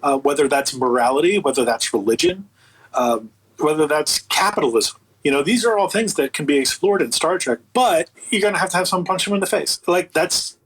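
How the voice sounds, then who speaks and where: A man's voice: fairly high pitch, expressive, brisk, fairly bright tone, husky, poor audio. A man speaking as an interview guest, chatting casually and giving his opinions in an emphatic, colloquial way. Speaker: interview guest, audio book producer.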